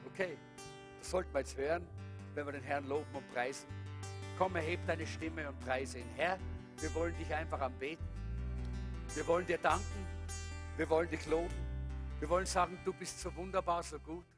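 High-pitched male pastor, fervent sermon and prayer, quiet guitar underneath. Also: fairly even intonation, moderate pace, long pauses. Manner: fervent, with repeated hallelujahs.

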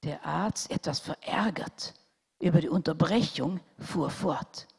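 A woman telling a religious story at a church service, slowly and deliberately, with dramatic pauses. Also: sits low, gravelly, darkish tone, slightly rough. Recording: long hall reverb.

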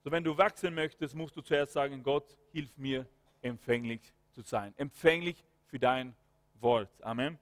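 A man's voice: medium pitch, measured pace. A man preaching a fervent sermon, breaking into prayer and peppering his points with hallelujahs and amens. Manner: breaks into spoken prayer and commands. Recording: long hall reverb.

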